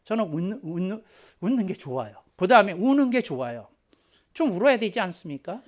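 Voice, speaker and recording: Guy pastor preaching, kinda high voice, swoops all over, jokey and lively. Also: fairly quick. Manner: lively, playful preaching with laughs and acted asides. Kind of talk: sermon.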